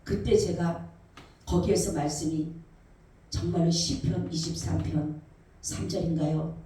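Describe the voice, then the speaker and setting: Woman pastor, fervent sermon, loud cries and hushed asides, mellow dark tone, big echoey church, distant mic. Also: sits low, fairly even intonation, a little slow. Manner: impassioned preaching, acting out cries and quotes with swings of loudness. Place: church sanctuary. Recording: roomy echo, voice from far off.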